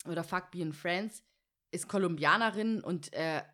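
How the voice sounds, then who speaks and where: A woman's voice: lowish voice, unhurried, fairly bright tone. A woman co-hosting a podcast in casual, slangy chat full of fillers. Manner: chatty, slangy, many fillers. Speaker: podcast co-host.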